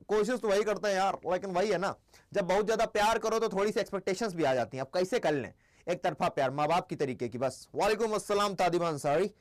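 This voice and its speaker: High-pitched chatty Hindi-English teacher. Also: male voice. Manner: chatty, quizzes himself aloud, mixes Hindi and English; slows down to dictate key English points. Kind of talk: live-stream exam lesson.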